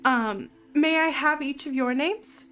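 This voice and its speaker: A woman's voice: high voice, sharp tone, faint music behind, heavily acted. A woman voicing an overly polite young boy with prim, formal manners. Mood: courteous. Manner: prim, courteous, quick.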